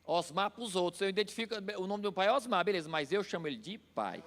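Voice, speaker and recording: A middle-aged Brazilian man preaching a sermon as pastor, emphatic and repeating phrases slowly for stress. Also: high voice, expressive, a bit bright, in a large hall. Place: church hall.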